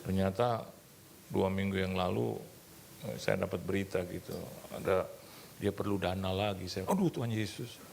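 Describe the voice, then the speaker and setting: Pastor, male, gravelly low voice, animated storyteller preacher, faint noise behind. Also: moderate pace, long pauses. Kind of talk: sermon.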